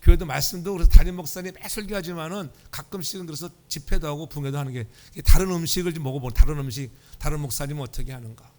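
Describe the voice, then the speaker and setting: A male pastor delivers a Sunday sermon from a church, his voice sitting a little higher than most men's. He preaches conversationally, tells stories with a light touch of humor, and keeps prompting the congregation to respond. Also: very fast, hardly any pauses, a little mellow. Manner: humorous storytelling. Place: church sanctuary.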